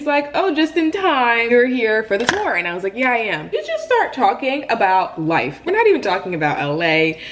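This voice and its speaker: Against noticeable background noise, a woman with an American accent speaks at a fairly high pitch and a fairly quick pace, animated in tone, with very wide pitch swings and hardly any pauses. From New Jersey. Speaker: lifestyle vlogger. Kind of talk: storytime vlog.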